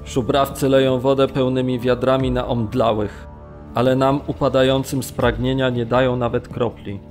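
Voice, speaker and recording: A male actor plays a man held in a brutal camp, bearing witness in a radio play. His voice sits at a medium pitch as he recounts his ordeal. Faint music runs underneath. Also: little pitch movement, normal speed, darkish tone, lightly acted. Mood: grim, harrowed. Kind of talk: dramatised documentary narration of survivor testimony.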